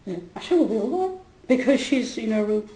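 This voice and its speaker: A woman whose first language is not English, retelling a conversation in a halting way with many fillers and restarts and frequent laughter. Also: a little high, lively intonation, warm tone. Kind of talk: casual spoken retelling. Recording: roomy echo.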